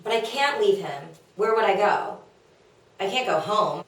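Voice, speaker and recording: A woman's voice: mid-range voice, expressive, measured pace, lightly acted. A woman playing an exasperated, insecure wife in a comedic table read, with a plaintive, griping, colloquial delivery. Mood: aggrieved. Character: exasperated, henpecking young-to-middle-aged wife of Socrates, insecure. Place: echoey room, away from mic. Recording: very echoey room, distant mic.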